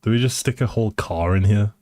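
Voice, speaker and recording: A man's voice: fairly low pitch, fast talker, dark tone, no room sound. A man live streaming a video game with casual, hesitant commentary, thinking aloud and often trailing off. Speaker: live streamer playing a life simulation game.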